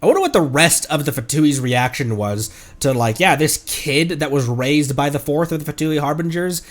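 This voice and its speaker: A man's voice: fairly high pitch, normal speed. A man streaming a video game with casual, jokey live commentary. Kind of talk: casual live game commentary mixed with acted dialogue reading.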